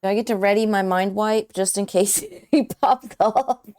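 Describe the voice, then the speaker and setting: A woman's voice: mid-range voice, fairly even intonation, normal speed, darkish tone. A woman chatting casually as a player in a tabletop role-playing game.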